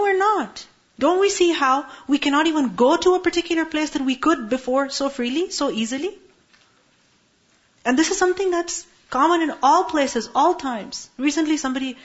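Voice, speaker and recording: A woman with a fairly high voice teaches a religious lesson, explaining Arabic terms word by word. She keeps posing rhetorical questions to her class. The recording sounds dull and lo-fi. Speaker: Quran teacher. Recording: muffled lo-fi recording.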